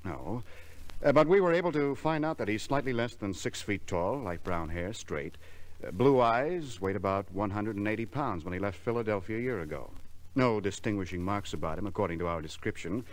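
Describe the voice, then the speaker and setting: An actor playing a polite, slightly fussy junior lawyer in an old-time radio drama, speaking hesitantly and precisely. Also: male voice, fairly low pitch, animated, a little fast, close to an everyday voice, low-quality recording. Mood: precise, explanatory. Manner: courteous, hesitant, precise businesslike phrasing. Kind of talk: 1940s-50s radio drama acting.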